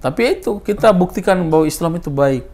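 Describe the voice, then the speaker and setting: A man in his thirties from East Timor, telling his personal story in a casual interview, his voice rising high when he stresses a point. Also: fast talker. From Timor Leste. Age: 30s. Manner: animated storyteller, voice rising with emphasis.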